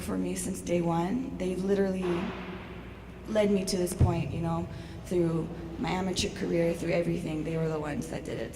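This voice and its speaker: A young woman fighter with a voice gone hoarse, answering press questions in a casual, upbeat way. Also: on the low side. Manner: casual, upbeat, laughs often. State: losing her voice. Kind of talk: post-fight press interview. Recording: noisy long-reverb hall.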